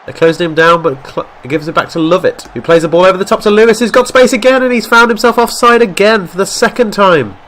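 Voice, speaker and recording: A man with a stuffy nose from a cold, calling football game highlights as play-by-play commentary and getting excited at near misses. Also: fast talker, hardly any pauses, slight background noise. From Wales. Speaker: gaming YouTuber.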